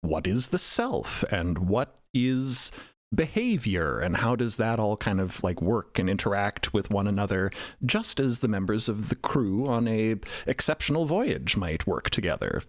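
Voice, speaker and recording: Low-ish guy thinking out loud on a podcast, lots of uh and like, dry mic. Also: dry recording. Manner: musing, hesitant, with fillers. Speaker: writer and podcast co-creator. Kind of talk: casual roundtable chat.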